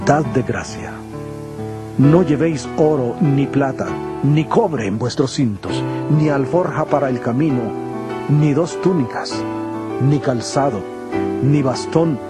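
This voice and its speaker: A man acts out a solemn, authoritative holy teacher instructing his disciples. His mid-pitched voice exhorts in measured, grave phrases. The dramatized scripture reading plays over clear background music. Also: lightly acted.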